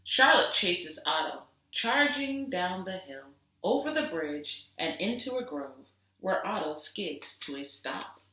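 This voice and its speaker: A woman teacher giving an expressive storybook read-aloud for children, deliberate and with dramatic emphasis. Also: lowish voice. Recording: roomy echo, distant microphone.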